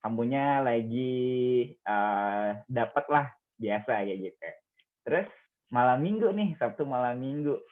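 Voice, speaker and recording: A young man, a radio and TV presenter, explaining speaking tips in an online discussion and acting out examples with big jumps in pitch. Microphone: video call. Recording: tinny phone-like call audio.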